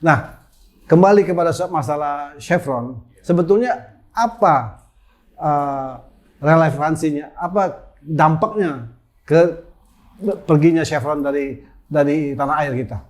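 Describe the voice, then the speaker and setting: Older man hosting a talk show. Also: a little high. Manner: slow, hesitant questions with fillers. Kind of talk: casual interview chat.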